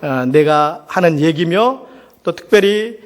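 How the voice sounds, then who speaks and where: A man's voice: a little high, animated, takes it slowly. A middle-aged man, a pastor, giving a sermon as personal storytelling in a conversational way, often putting rhetorical questions. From South Korea. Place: large church hall. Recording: reverberant hall sound.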